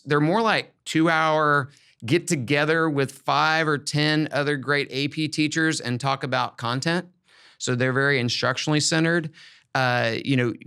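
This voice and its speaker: A man's voice: medium pitch, sharp tone, clear, resonant tone. A middle-aged American man hosting a podcast in a conversational style, explaining things in an upbeat, emphatic way. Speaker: podcast host, former school principal. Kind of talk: conversational educational podcast talk.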